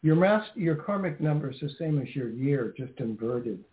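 A man's voice: mid-range voice, lively intonation, normal speed, over a noisy crowd. A man hosting a psychic radio show, reading numbers and asking the caller direct questions. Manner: probing, asks direct questions. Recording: tinny phone line.

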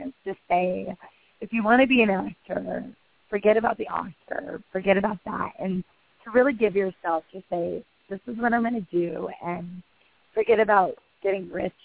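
A woman in her thirties with a husky voice, an actress guest talking casually in a rambling, chatty way with many restarts. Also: fairly low pitch, dry recording. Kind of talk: phone interview. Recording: tinny phone line.

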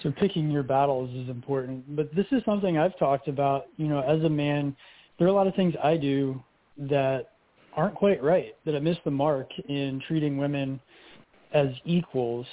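A man hosting a radio interview, who sums up what his guest says and asks probing questions in a measured way. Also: a little high. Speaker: radio show host. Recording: dry phone-like narrow band.

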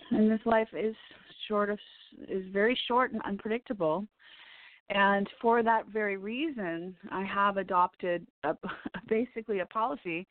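A woman hosting a spiritual radio show, her voice scratchy and hoarse, chatting in a rambling, heartfelt way with little laughs. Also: mid-range voice, no echo. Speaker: radio show host and psychic reader. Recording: tinny phone line, dry.

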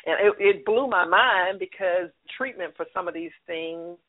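A woman's voice: lowish voice, normal speed. A woman hosting a call-in talk show, chatty and long-winded, heard on tinny phone-line audio. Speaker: radio call-in show host.

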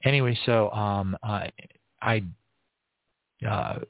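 A man hosting an online prayer service, talking in a rambling, halting way with many fillers and restarts and frequent little bursts of praise. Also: fairly low pitch, no echo. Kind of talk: casual unscripted church broadcast talk. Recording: tinny phone-like audio, soft music behind. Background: faint music.

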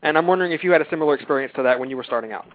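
Fast-talking male host on a phone line. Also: fairly high pitch. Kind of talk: interview questions, casual chat. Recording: dry phone-line sound.

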